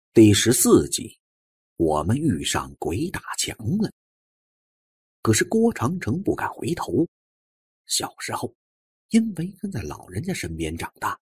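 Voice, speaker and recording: Husky man narrating suspense, highly animated. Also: no echo, clean studio sound. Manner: theatrical, suspenseful. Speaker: audiobook narrator. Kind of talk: dramatic scripted narration of a suspense novel.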